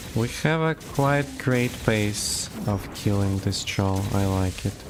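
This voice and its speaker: A man with a non-native accent talks very slowly in a fairly low voice, his intonation lively and his loudness very even. Noticeable background noise runs under him. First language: not English. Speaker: gaming streamer. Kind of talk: casual live stream gameplay commentary. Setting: live stream. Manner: non-fluent, pauses to find words.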